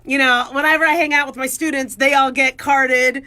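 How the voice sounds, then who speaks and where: A woman in her forties hosts a radio show with a high, bright voice. She talks in a chatty, self-mocking way, full of jokes. The sound is a close studio microphone. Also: steady tone, normal speed. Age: 40s. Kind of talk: casual talk radio monologue.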